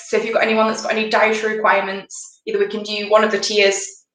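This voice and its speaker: A woman speaks with a fairly high pitch. Audible room echo fills the recording. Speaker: wedding cake maker. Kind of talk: sales pitch. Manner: fast.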